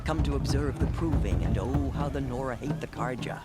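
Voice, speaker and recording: A woman's voice: rumbling low, a little fast. A woman playing an elderly tribal matriarch in a video game, motherly, wry and commanding. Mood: warm, amused. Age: older. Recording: loud music behind the voice.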